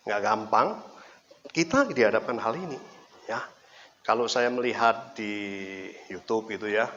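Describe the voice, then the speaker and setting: A man's voice: lowish voice, fairly bright tone, a little hiss or hum. A man with an East Javanese accent, giving a casual, conversational sermon full of anecdotes and repeated words. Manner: chatty, anecdotal storytelling with repetition. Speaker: preacher. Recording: dull lo-fi recording.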